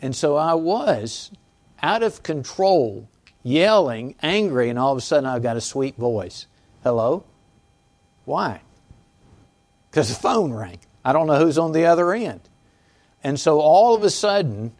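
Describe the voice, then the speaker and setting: Halting conversational male pastor preaching. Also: medium pitch, darkish tone. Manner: conversational, halting with restarts and asides to the congregation; chuckles between points. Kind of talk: sermon. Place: church sanctuary.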